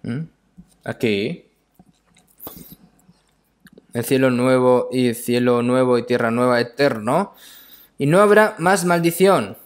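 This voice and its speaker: A man with a mid-pitched voice delivers a sermon and reads scripture. He moves in halting phrases, going back over his words and checking in with brief questioning tags.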